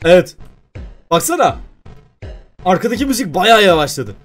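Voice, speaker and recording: A high-voiced man narrates his game in an animated, playful way, his pitch swinging widely as he exclaims at what happens on screen. He talks straight to his viewers at a desk mic, with soft game music playing faintly underneath. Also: normal speed. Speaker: gaming YouTuber. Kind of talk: excited let's-play commentary.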